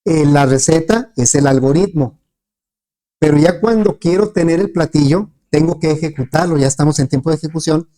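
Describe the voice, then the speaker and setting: In this lecture, a man's slightly high voice has a warm quality and moves at a moderate speed. He asks his students questions often to make sure they're following, patiently, though he restarts himself a lot and leans on fillers.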